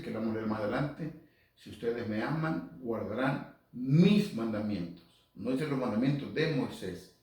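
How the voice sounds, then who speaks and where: A man giving an informal Catholic Bible lesson on radio, talking conversationally, repeating words and reading verses slowly. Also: medium pitch, darkish tone. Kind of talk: informal Bible study talk. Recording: very echoey room, distant mic.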